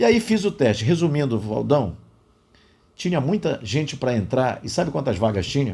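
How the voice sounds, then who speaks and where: This man talks at a moderate pace in a medium pitch with vocal fry and very wide pitch swings, on a very clean recording with a silent background. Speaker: radio announcer. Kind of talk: interview answer, telling a personal story.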